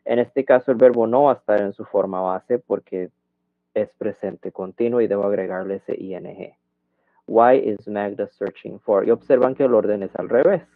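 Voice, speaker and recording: Over thin, phone-like audio that stays dry and roomless, a lowish-voiced man at a moderate pace explains English grammar in Spanish during an online class. He demonstrates English questions with exaggerated rising and falling intonation.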